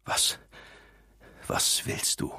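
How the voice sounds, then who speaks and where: A man voicing a shaken, bitter professor who croaks and falters. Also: on the low side, slow pace, fairly bright tone, no echo, studio quality, heavily acted. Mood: croaking.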